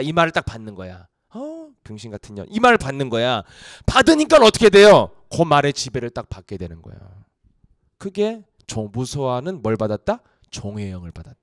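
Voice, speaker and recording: Male pastor, middle-aged, informal youth sermon; animated, acts out quotes, fairly high voice. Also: no echo, clean studio sound.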